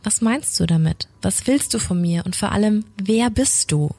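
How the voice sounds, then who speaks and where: A woman voicing a confused, frightened man who does not know he is a ghost, talking in a soft half-whisper. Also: medium pitch, lively intonation, normal speed, husky, dry recording.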